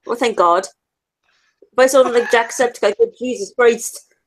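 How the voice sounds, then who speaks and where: A woman's voice: on the high side, normal speed. A woman from Ireland, chatting bluntly and sarcastically on a casual group stream. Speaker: stream co-host. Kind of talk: casual chat.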